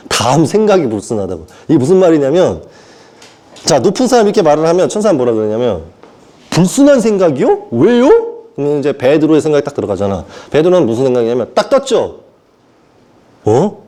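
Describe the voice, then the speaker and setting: A male preacher with a mellow, relaxed tone gives a sermon. His pitch swings widely as he acts out the characters in the stories. He keeps stopping to ask the congregation whether they follow him. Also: fast talker. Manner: animated storytelling, acting out voices of Jesus and Peter; asks the listeners if they understand.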